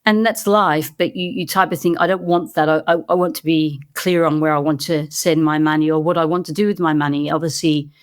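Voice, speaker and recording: A woman's voice: low voice, steady tone, a little fast, few pauses. A middle-aged woman from Australia with an Australian accent, talking earnestly as an interview guest and often restarting her words. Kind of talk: conversational interview.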